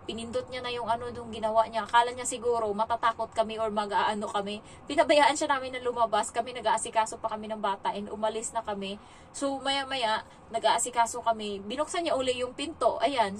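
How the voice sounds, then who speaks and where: Chatty Filipina helper telling a story. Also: female voice, a little high, recorded from a distance, a little hiss or hum, rough recording. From Philippines. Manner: chatty, animated retelling with many fillers. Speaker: domestic helper vlogger. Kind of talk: casual storytelling vlog.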